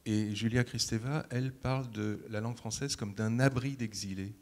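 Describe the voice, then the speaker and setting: A man interviewing a playwright, asking measured, courteous questions and reading out quotations, with hesitant restarts. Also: lowish voice, fairly even intonation, darkish tone.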